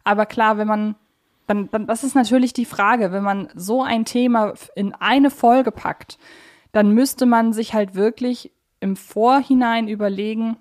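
A woman talking casually as a podcast co-host, explaining her points in a measured, conciliatory way. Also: fairly high pitch, steady tone, a little mellow. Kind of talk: casual, discursive podcast discussion.

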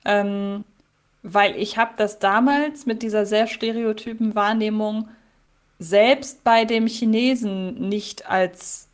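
A woman's voice: medium pitch, slow pace. A woman co-hosting a podcast, reflecting at length in casual chat about a radio play. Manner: reflective, rambling, thinks aloud. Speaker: podcast co-host.

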